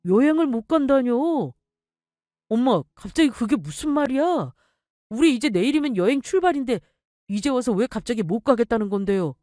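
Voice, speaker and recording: A woman's voice: a little high, lively intonation, moderate pace, mellow, no room sound, clean studio sound, voice pushed up, lightly acted. A woman voicing a whiny, greedy grown son who protests and pleads in a dramatic story reading. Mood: indignant. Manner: whining and pleading.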